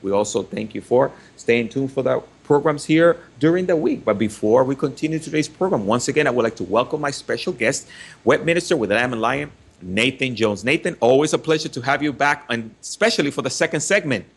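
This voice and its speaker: A man's voice: mid-range voice, lively intonation, fairly quick, creaky, slightly rough. A man from the Dominican Republic hosting a Christian radio talk show, upbeat and chatty with frequent fillers.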